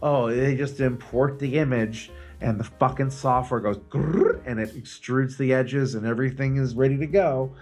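A man's voice: medium pitch, moderate pace, hardly any pauses, a little mellow, faint music behind. A man co-hosting a podcast, chatting casually and telling anecdotes with some swearing. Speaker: podcast co-host.

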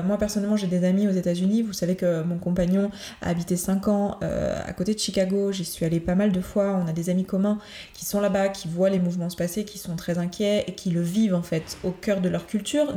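A woman's voice: fairly low pitch, mellow, reverberant. A woman hosting her own coaching podcast, talking earnestly and hesitantly, with many fillers and restarts. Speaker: podcast host, certified coach. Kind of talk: solo podcast talk.

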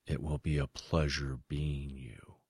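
A man as a deep-voiced, smirking traitor villain. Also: level tone, a little mellow, slightly rough, no echo, clean studio sound, heavily acted. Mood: gloating. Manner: casual, smirking, measured. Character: smug treacherous villain, casually gloating old friend.

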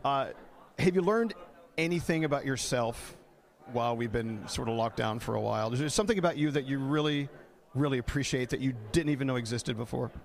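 A man's voice: medium pitch, brisk, gravelly. A man hosting a live entertainment interview on a red carpet.

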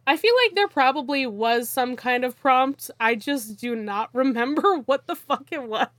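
A woman's voice: high-pitched, lively intonation, moderate pace, fairly bright tone, no echo. A woman co-hosting a podcast in casual chat, swearing and laughing easily. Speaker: podcast co-host.

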